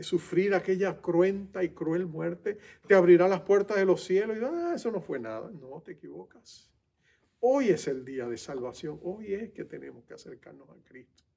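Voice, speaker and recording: Male pastor mid-sermon, gravelly texture, urgent and heartfelt, addresses the listener directly. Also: a little high. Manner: passionate, swings from loud urgent to soft intimate.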